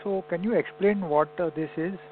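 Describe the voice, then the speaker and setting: Halting man on a humming phone line. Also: high voice, slight background noise. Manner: halting, hesitant phrasing. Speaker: analyst caller. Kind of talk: polite question on an earnings call. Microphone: telephone handset.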